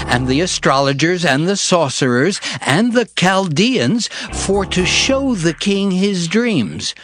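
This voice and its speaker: A man narrating dramatized scripture as a solemn, deliberate storyteller. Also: a little high, a bit bright.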